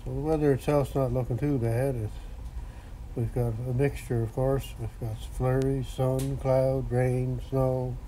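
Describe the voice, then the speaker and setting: Man, folksy workshop vlog, dark voice, phone camera, slight background noise. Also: medium pitch, level tone, poor audio. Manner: slow, rambling and folksy. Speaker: vlogger. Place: cluttered home workshop garage.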